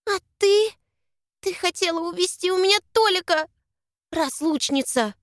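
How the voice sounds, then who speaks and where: Woman voicing a shrill defiant ten-year-old girl. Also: measured pace, no echo, studio quality. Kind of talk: audiobook character voice.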